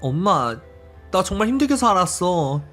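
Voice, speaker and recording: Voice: mid-range voice, very animated, moderate pace, fairly bright tone, faint music behind. A performer voicing a grown daughter who accuses her mother of abandoning her, in a dramatized story reading, with a pleading, bitter manner. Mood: hurt, pleading.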